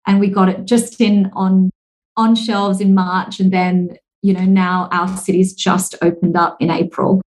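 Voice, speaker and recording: A woman in her thirties from Singapore, talking at length as a guest in a casual podcast interview, fluent and energetic with many "like" and "you know" fillers. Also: medium pitch, measured pace, low-quality recording. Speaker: podcast guest, speaker and author.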